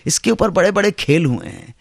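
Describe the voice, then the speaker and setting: A middle-aged man hosting a radio show, telling stories in a dramatic way that swings from hushed asides to loud exclamations. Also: high voice, expressive, moderate pace, gravelly. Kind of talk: storytelling radio narration. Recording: radio broadcast with faint music underneath.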